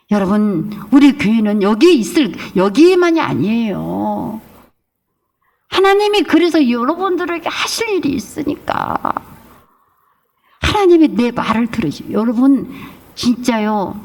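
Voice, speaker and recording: A woman's voice: a little high, creaky, a little mellow. A middle-aged woman pastor preaching a sermon emphatically, sometimes acting out whiny prayers and scolding the congregation.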